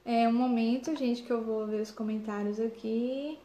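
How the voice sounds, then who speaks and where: A woman's voice: a little high, fairly even intonation, normal speed, mellow, roomy sound. A woman speech therapist, explaining speech development to parents in a live stream and often checking in with tag questions.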